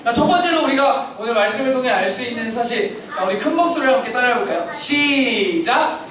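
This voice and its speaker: In a very echoey church hall, a children's pastor with a very high-pitched, animated, slightly bright voice preaches briskly to kids, quizzing them and leading call-and-response answers. The distant mic picks up the children and a little hiss or hum.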